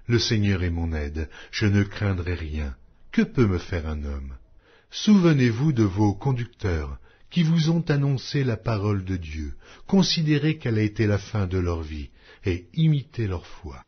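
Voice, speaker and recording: Low, expressive husky male scripture narrator. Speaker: audiobook narrator reading scripture. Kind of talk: solemn scripted Bible reading. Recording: dull lo-fi recording.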